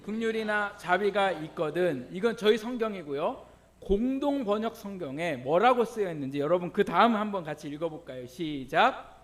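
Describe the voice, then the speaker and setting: High-voiced man preaching a sermon. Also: animated, moderate pace. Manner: asks the congregation questions and answers them himself; tells personal stories with laughter. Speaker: pastor.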